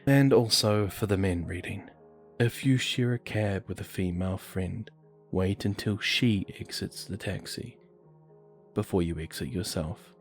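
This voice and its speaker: A man reading true horror stories aloud in a steady, measured storytelling manner. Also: low voice. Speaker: narrator. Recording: faint music behind voice.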